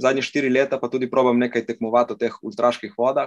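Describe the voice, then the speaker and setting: A man speaks in a monotone with flat intonation against a quiet background. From Slovenian coast, near Portorož; Slovenia. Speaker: ultramarathon runner; podcast guest. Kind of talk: casual interview. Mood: reflective, talkative. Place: home room.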